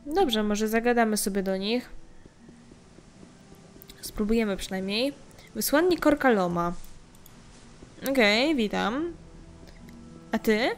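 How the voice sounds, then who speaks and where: A woman's voice: a little high, slow, long pauses. A young adult woman giving casual let's-play commentary, chatting and muttering to herself as she plays. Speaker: gameplay streamer. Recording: game music faintly behind.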